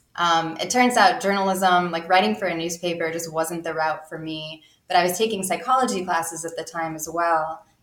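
With an American accent, a woman in a plain, everyday voice speaks at a fairly quick pace and fairly low pitch, with ordinary pitch variation and big swings in loudness. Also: hardly any pauses. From US Midwest, Cleveland, Ohio. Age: 30s. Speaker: clinical psychologist and professor. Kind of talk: casual interview.

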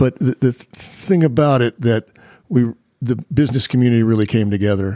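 Speaking fairly quickly with an American accent, a man has a medium pitch and a dark, mellow tone, with ordinary pitch variation and very even loudness. The sound is dry and close, with no echo. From Indianapolis, Indiana. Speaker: sports executive. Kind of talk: interview.

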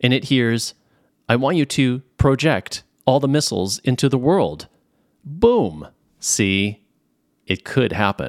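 A man with an American accent, playful and animated in tone, with very wide pitch swings at a fairly slow pace, in a dry, close sound with no echo on a very clean recording with a silent background. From Southern California. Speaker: podcast host. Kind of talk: scripted letter reading, playful. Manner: playful, animated, humorous.

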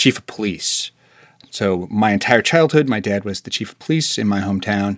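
On a very clean recording with a silent background and a dry, close sound with no echo, a man with an American accent talks at medium pitch with ordinary pitch variation. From US Midwest, Iowa. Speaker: policy scholar. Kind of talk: casual interview conversation.

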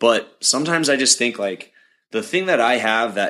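A man with a bright, sharp tone talks at a moderate pace with ordinary pitch variation on a very clean recording with a silent background. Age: 20s. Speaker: men's self-improvement podcaster and author. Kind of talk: interview. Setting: studio.

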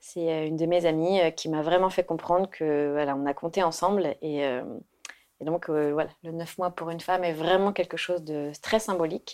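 At a moderate speed, an ordinary speaking voice keeps its intonation fairly even. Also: woman, fairly low pitch for a woman. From Paris region, France. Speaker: entrepreneur and solo traveler. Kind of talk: casual interview. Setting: at her home.

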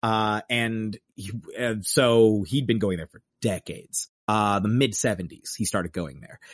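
With an American accent and an unremarkable speaking voice, a man talks at a fairly slow pace and fairly low pitch, using ordinary pitch variation, hardly any pauses and a dry, close sound with no echo. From Cincinnati, Ohio, US Midwest. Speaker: actor. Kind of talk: casual chat. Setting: video call.

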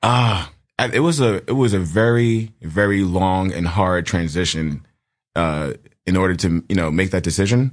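A man's very deep, low voice at a moderate pace, with ordinary pitch variation and very even loudness. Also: quiet background. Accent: New York. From New York, Queens. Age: 30s. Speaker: photographer. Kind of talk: casual chat. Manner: halting.

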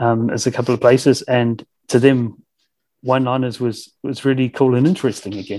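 The speaker has a New Zealand accent. The intonation stays fairly even. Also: man. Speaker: musical comedian. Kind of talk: casual interview. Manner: fast talker.

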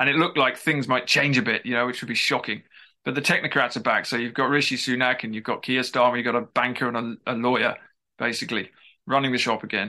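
Over a quiet background, a man delivers a bright, sharp tone at a medium pitch, speaking very fast with fairly even intonation. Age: 50s. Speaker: author and writing teacher. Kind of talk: casual interview conversation.

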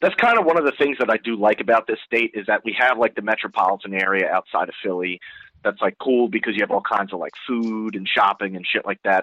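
A man at a very fast pace, with a slight Northeastern US accent, medium pitch and ordinary pitch variation. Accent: slight Northeast US. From New Jersey. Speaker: novelist. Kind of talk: casual interview chat.

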